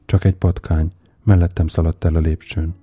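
A man's voice: low voice, flat delivery, warm tone, dull audio, faint music behind. A man doing a trembling, frightened old man. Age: older. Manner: trembling, hoarse pleading.

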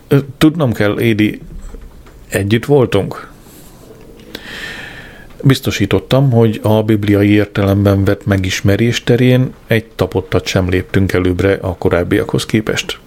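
Casting: deep, gravelly man, deadpan audiobook narrator. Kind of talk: scripted narration of a comic diary.

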